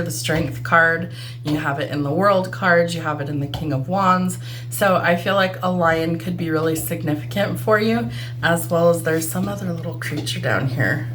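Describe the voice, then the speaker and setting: A woman fighting a cold, her voice stuffy and congested and a little low. She talks through a tarot reading in a relaxed, conversational way, thinking aloud as she goes. Her voice now and then fades in and out from the cold, and a faint hum sits behind her. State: voice cutting in and out. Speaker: tarot reader. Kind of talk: casual collective tarot reading.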